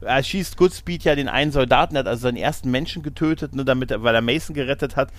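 A man's voice: mid-range voice, fast, no echo. A man hosting a casual film discussion, retelling scenes in a rambling way with frequent tag questions and laughs. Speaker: podcast host reviewing a film.

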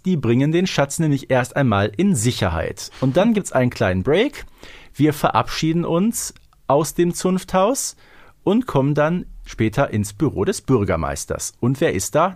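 Playful man with a mid-pitched voice. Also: very animated, moderate pace, darkish tone. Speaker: podcast co-host. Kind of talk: conversational episode recap.

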